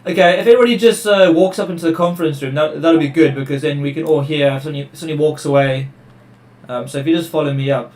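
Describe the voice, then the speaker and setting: A man's voice: a little high, fairly even intonation, quick pace, a little mellow, echoey room, distant mic. A man from Wales hosting a casual team video call, chatty and upbeat, guiding people around. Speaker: host.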